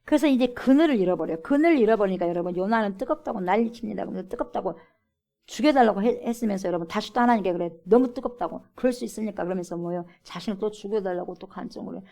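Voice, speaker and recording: A woman's voice: mid-range voice, quick pace, gravelly, dark tone. A woman pastor preaching an emphatic sermon and keeping the congregation engaged with direct questions. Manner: emphatic, repeatedly addresses the congregation as 여러분. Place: church sanctuary.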